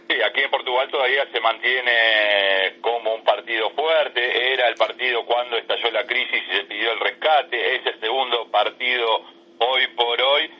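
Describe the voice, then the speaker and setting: A male radio interviewer with a husky, breathy voice speaks fluently and steadily. The sound is dull and muffled, like a phone line. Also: mid-range voice, moderate pace.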